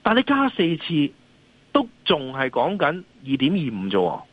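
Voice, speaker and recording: Over a dull, lo-fi call line, a husky-voiced man with a Hong Kong accent gives market commentary. His pitch swings widely as he argues emphatically and keeps asking the listener to agree. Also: wildly swooping pitch, moderate pace, no echo. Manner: emphatic, repeatedly seeks agreement with rhetorical questions. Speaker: financial analyst and columnist, guest. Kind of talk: off-the-cuff market commentary in an interview.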